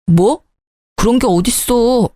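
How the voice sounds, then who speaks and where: A woman's voice: on the high side, slow, dark tone, no echo, studio quality. A woman playing a clueless, petulant young husband pleading with his wife, in a story reading.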